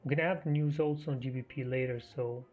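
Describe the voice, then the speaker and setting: A man hosting a live trading stream, half losing his voice, talking through the market in a halting, think-aloud way. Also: medium pitch, fairly even intonation. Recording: muffled stream audio with faint music.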